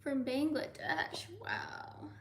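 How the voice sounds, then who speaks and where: A young American woman hosting a casual livestream, reading viewer comments aloud and often slipping into soft whispers. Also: high-pitched, wildly swooping pitch, drawn-out words. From United States. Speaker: livestream host.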